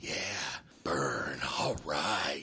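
Against clear background noise, a man talks in a raspy, put-on character voice. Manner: nasty, creepy.

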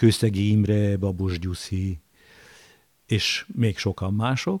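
On a very clean recording with a silent background and a dry, close sound with no echo, a man speaks in a normal speaking voice with fairly even intonation. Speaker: film composer. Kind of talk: personal storytelling.

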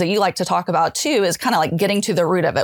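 A woman with a Southern US accent talks at a medium pitch with ordinary pitch variation, in a very clean recording with a silent background and a dry, close sound with no echo. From US South, Atlanta. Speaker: sales executive. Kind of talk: interview conversation.

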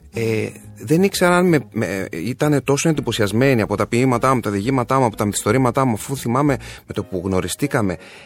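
Music plays in the background as a man talks at a fairly quick pace. His medium-pitched voice has lively intonation. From Crete, Greece. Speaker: author. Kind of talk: casual chat.

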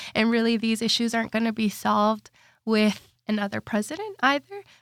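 A woman speaks with a Boston accent. The recording is very clean, with a silent background. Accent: Boston-area American English. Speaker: community organizer. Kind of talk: interview.

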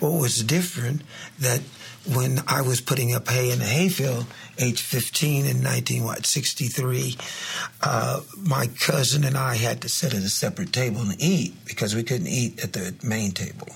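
Noticeable background noise sits behind a man with an American accent. He speaks at a fairly slow pace and medium pitch with ordinary pitch variation. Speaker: pastor. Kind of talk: panel discussion.

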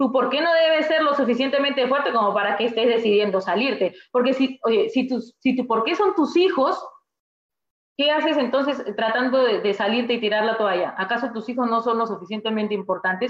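Her loudness very even, a woman with a high-pitched voice speaks with lively intonation. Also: fairly quick pace. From Peru. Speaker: fitness coach. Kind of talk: testimony.

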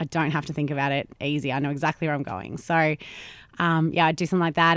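A woman's very deep, low voice with an Australian accent and fairly even intonation, on a very clean recording with a silent background.

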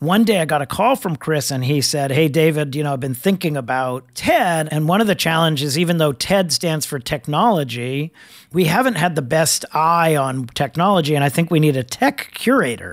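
An ordinary speaking voice from a man, fairly high in pitch with ordinary pitch variation, hardly any pauses, and a very clean recording with a silent background. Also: moderate pace. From New England, US (Massachusetts/New Hampshire). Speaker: venture capitalist. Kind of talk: casual chat.

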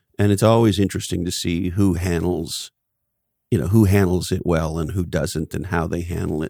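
A man with a very deep, low pitch, a dark, mellow tone and vocal fry speaks at a moderate pace, recorded very cleanly with a silent background and a dry, close sound with no echo. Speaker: podcast host. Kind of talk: casual interview chat. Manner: animated.

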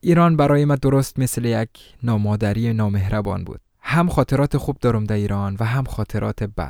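Delivered at a fairly quick pace with hardly any pauses, an ordinary speaking voice with ordinary pitch variation comes through a very clean recording with a silent background and a dry, close sound with no echo. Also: man, medium pitch for a man. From Iran, Karaj (Afghan family). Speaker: podcast host. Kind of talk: interview answers, partly read.

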